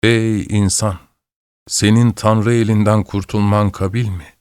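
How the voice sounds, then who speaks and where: A severe, devout old woman lectures in a slow, reproachful cadence, as a male storyteller reads her part. Her voice sits fairly low and sounds close and dry, with no room around it. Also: level tone, a little mellow, smooth, no room sound, natural voice. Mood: lecturing. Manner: slow, scolding, sermonizing. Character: stern pious old woman preaching.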